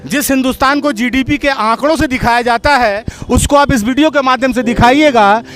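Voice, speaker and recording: A man with a fairly high voice hosts street interviews outdoors in a busy neighborhood. He speaks in a lively, rhetorical manner, as if making a speech. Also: a little fast.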